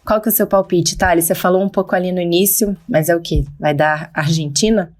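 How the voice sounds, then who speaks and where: A woman's voice: lowish voice, brisk, darkish tone. A Brazilian woman hosting a podcast, asking her guests questions conversationally. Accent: Brazilian Portuguese. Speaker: podcast host. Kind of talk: podcast interview.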